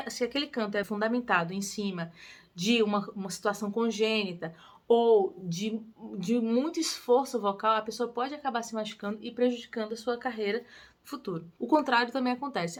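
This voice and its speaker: A young adult woman, a singing teacher giving casual advice to camera in a lively, encouraging way. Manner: lively and encouraging, with quick pitch lifts on emphasis. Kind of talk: casual tutorial talk to camera.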